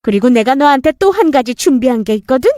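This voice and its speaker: A woman's voice: sits high, expressive, quick pace, dark tone, dry recording, clean studio sound. A woman voicing a stern mother-in-law in her sixties, a former lawyer, who scolds and threatens in a cutting tone. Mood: stern threatening.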